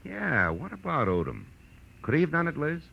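An actor with an American accent playing a tough, wry private detective in a clipped, sardonic 1940s radio drama style. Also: male voice, a little high, wildly swooping pitch, normal speed, gravelly, a little hiss or hum, full character voice. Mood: sardonic, pressing. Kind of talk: 1940s radio detective drama acting and first-person narration. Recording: dull old radio recording, music behind.

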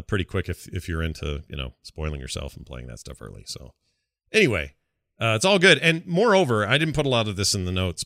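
A man's voice: deep voice, bright, forceful tone, clear, resonant tone, dry recording, studio quality. A man hosting a gaming podcast, talking casually and rambling through informal asides. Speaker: podcast host.

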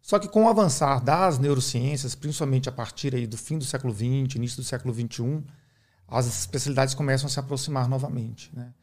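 Measured middle-aged man explaining neurology. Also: medium pitch, a little mellow. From Brazil. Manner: measured, didactic, uses many "né?" tags. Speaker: neurologist guest. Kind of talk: explanatory podcast interview.

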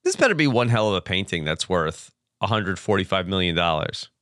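Male podcast co-host, relaxed recap, clear smooth voice, dry close mic. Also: low voice, a little fast, no room sound. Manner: laid-back, frequent short agreements. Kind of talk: casual TV recap chat.

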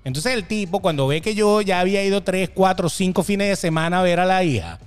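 A middle-aged Venezuelan man co-hosting a casual podcast, telling stories with lively energy and acting out the voices of people he quotes. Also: high voice, brisk, smooth, soft background music. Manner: animated storytelling, acts out quoted voices. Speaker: podcast co-host.

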